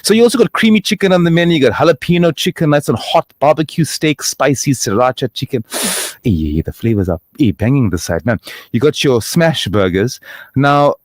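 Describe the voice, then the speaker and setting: A man hosting a radio show, chatting excitably and bantering with his guest in the studio. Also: medium pitch, fairly quick, no echo. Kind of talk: casual radio interview. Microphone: studio microphone.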